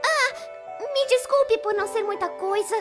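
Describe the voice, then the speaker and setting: A woman's voice: very high voice, moderate pace, music in the background. A woman playing a caring, cheerful young girl in a comic dub, speaking in a pleading, eager way. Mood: shy, caring. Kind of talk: fan comic dub drama acting.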